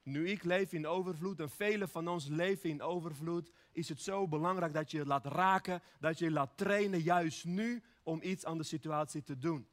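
Guy preaching in church, fairly high voice, earnest and personal, slows right down for the prayers. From Armenia. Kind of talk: sermon.

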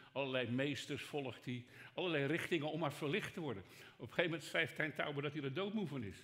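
A man preaching a sermon as pastor, emphatic and rhetorical, swinging from raised to hushed delivery and speaking straight to his listeners. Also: mid-range voice. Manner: rhetorical, addresses listeners directly.

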